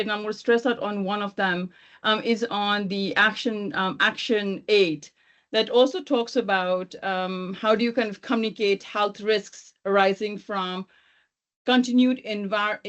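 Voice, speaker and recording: Woman from Thailand, webinar panelist, halting, circling unscripted remarks, dull video-call sound. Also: mid-range voice, fairly bright tone. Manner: halting, circling back, rephrasing often.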